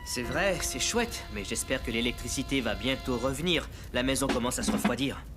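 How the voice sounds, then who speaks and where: A man voicing a caring, playful father who explains things gently to his small boy in a children's cartoon dub. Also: medium pitch, a little fast, natural voice. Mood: reassuring. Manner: gentle, patiently explaining, expressive. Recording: music under the voice.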